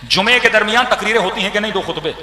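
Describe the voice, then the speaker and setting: A preaching man, his voice high and ringing bright. He keeps tossing questions out to the crowd and answering them himself, pressing each point with emphasis. The sound carries a long, roomy echo from the hall. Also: fast. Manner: rhetorical questions to the audience, emphatic build-ups. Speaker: cleric giving a majlis address. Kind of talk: religious sermon. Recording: echoey hall with long reverb.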